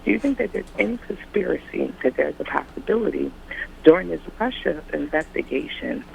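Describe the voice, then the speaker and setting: A man phones in to a talk program and works through his point in a rambling, halting way. His voice has a heavy gravelly fry and sits a bit high for a man. The line is dull and lo-fi, with faint noise behind him. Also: lively intonation. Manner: rambling, hesitant, full of ums. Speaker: caller. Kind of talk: phone-in call.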